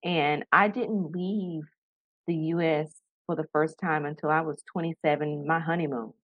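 A woman's voice: low voice, steady tone, moderate pace, no echo. A middle-aged woman from Tennessee giving conversational answers as a podcast guest. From Chattanooga, Tennessee, United States. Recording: dull lo-fi dry remote recording.

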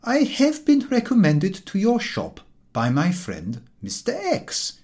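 A man doing a prim, stilted gentleman, high-pitched. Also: wildly swooping pitch, slow pace, heavily acted. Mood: courtly. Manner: stilted phrasebook courtesy.

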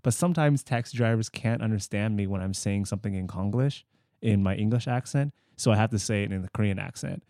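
A man's voice: fairly low pitch, fast, warm tone, no room sound, clean studio sound. Teasing man co-hosting a podcast. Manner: teasing, blunt one-word verdicts. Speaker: podcast co-host. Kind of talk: casual chat. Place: Seoul, South Korea.

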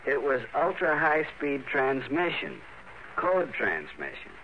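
A man playing an earnest, excitable radio tinkerer in a 1950s radio drama, with an eager, halting and insistent delivery. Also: medium pitch, exaggerated voice. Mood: eager, excited. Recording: noisy, dull vintage radio broadcast.

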